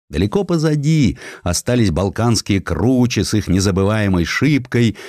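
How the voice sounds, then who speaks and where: A man reads a historical tale with theatrical irony. His voice sits fairly low and moves through very lively intonation. The sound is dry and close, with little room around it. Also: dry recording. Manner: theatrical, ironic storytelling. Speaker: audiobook narrator. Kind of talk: expressive narration of a satirical historical story.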